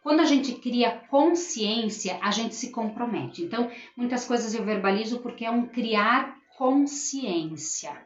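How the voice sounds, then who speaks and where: A middle-aged woman who teaches school hosts a casual live stream from home, earnestly talking to her viewers and reading their comments aloud. Her voice sits on the high side, animated and a little slow, with few pauses. The lo-fi recording sounds roomy and dull.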